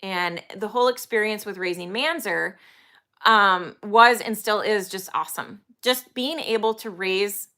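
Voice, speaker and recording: A woman's voice: medium pitch, unhurried, bright, forceful tone. A woman in her forties, chatting casually to camera about her animals, rambling and enthusiastic with plenty of ums. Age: 40s. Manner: enthusiastic, emphatic. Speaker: horse trainer and channel host. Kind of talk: casual vlog talk to camera.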